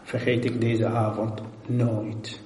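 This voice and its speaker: Slow, emotional preacher in echoey hall. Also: male voice, on the low side, little pitch movement, background noise. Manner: slow and halting, swinging from hushed to loud pleading. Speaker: preacher giving a personal testimony. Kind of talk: emotional testimony sermon. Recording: echoey hall with long reverb.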